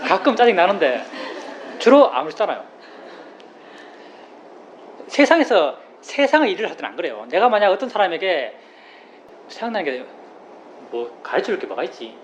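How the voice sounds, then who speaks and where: A Buddhist monk giving a plain-spoken dharma talk, who repeats key phrases and explains with everyday examples. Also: male voice, sits high, sing-song, normal speed, long pauses. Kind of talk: dharma talk to a meditation group. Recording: slightly dull recording with faint room noise.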